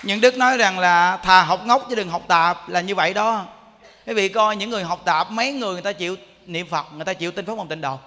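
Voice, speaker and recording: Speaking fast in a high-pitched, bright, forceful tone, a man delivers a Buddhist sermon as a teaching monk. He tells a story and keeps questioning the audience, all within an echoey temple hall.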